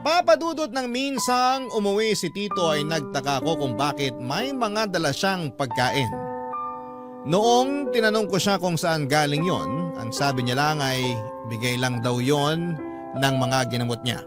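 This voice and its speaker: A man's voice: on the high side, a little slow. A man narrating a radio drama letter in an earnest, emphatic storytelling manner. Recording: steady background music.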